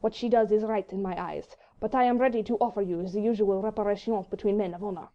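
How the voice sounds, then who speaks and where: A woman narrator performs a young French nobleman from a storybook, proud and quick to take offence. His English is broken, formal and earnest, with a French accent. The sound is slightly dull. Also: medium pitch, fairly even intonation, dark tone, close to an everyday voice.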